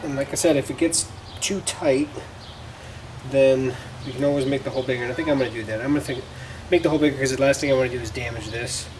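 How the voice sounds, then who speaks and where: A man's voice: medium pitch, steady tone, quick pace, a little mellow. A man hosting a casual how-to car tutorial, thinking aloud in a folksy way as he works. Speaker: DIY car tutorial host. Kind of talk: casual how-to narration while working. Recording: distant mic, clearly noisy, vehicle ambience.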